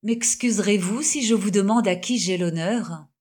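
A woman's voice: mid-range voice, moderate pace, darkish tone, natural voice. A woman reading the lines of a shy, emotional middle-aged male schoolmaster in an audiobook, timid and hesitant.

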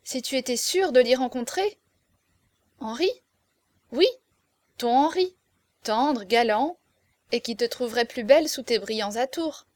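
A woman's voice: a little high, measured pace, pauses often, a little mellow, dry recording, close to an everyday voice. A woman reading aloud, voicing a playful, headstrong young gypsy woman who teases and insists. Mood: teasing. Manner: teasing, insistent, theatrical.

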